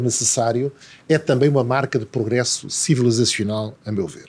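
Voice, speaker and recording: Somewhat breathy, with a dark, mellow tone, a man speaks at a moderate pace. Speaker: law professor. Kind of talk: lecture. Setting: auditorium at a seminar. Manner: formal; hesitant with fillers.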